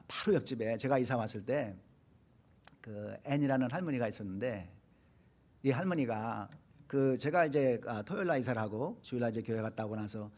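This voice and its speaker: A man's voice: medium pitch, a little mellow. A middle-aged man from Korea preaching a sermon, telling a personal story with frequent hesitations and repeated phrases. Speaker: pastor.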